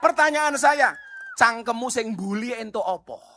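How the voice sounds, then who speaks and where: A middle-aged man with a Javanese accent preaching a sermon, animated, asking the crowd rhetorical questions. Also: very high-pitched, unhurried, slight background noise.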